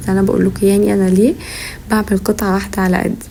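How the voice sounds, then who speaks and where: A woman with an Egyptian accent speaks at a medium pitch over noticeable background noise. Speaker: lifestyle vlogger. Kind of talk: casual cooking vlog.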